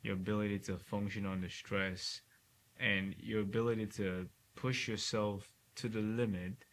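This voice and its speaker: A calm man from Cameroon speaks in a measured, low-set voice, often ending his points with "right?". A faint hiss sits under the recording. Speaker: neurosurgeon guest. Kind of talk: casual interview talk.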